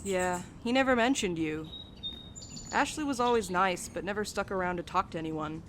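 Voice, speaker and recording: A woman's voice: lowish voice, normal speed, background noise, close to an everyday voice. A woman playing a blunt, bantering mail carrier who is bad with feelings, in an audio drama. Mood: blunt, earnest. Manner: blunt, casual, teasing. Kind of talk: naturalistic audio drama dialogue.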